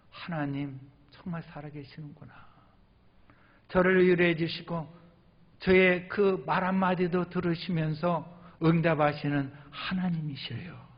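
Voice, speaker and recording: Lively preaching pastor in an echoing church. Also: male voice, mid-range voice. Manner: animated storytelling, acting out his own prayers. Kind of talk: sermon. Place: church sanctuary. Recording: reverberant hall, dull lo-fi sound.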